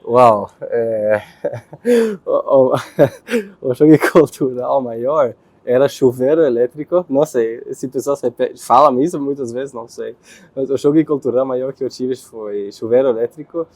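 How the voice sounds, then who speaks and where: A young man from Israel with an Israeli accent, answering interview questions in his second language, pausing and searching for words. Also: medium pitch, darkish tone, dry recording. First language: Hebrew. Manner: hesitant, searching for words, with restarts.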